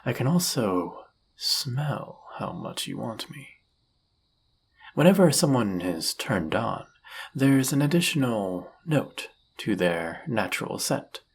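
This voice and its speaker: A man playing an arrogant demon prince of lust in an audio roleplay, speaking in a suave, condescending, flirtatious manner with a husky, gravelly voice. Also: mid-range voice, sing-song, slow, heavily acted. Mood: seductive, confident. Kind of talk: scripted audio roleplay addressed to the listener.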